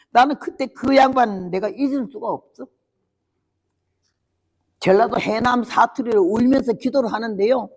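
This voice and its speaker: A woman's voice: fairly high pitch, darkish tone. An older woman missionary telling her testimony as a sermon, with vivid, dramatic storytelling. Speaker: missionary preacher. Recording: long hall reverb.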